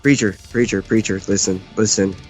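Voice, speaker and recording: A man's voice: fairly low pitch, steady tone, normal speed, over music. A man playing a tabletop roleplaying game, talking casually and speaking for his character.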